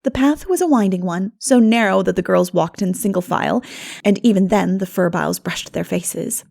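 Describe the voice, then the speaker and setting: Creaky-voiced woman narrating an audiobook. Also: mid-range voice, normal speed. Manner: expressive storytelling. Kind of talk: scripted literary narration.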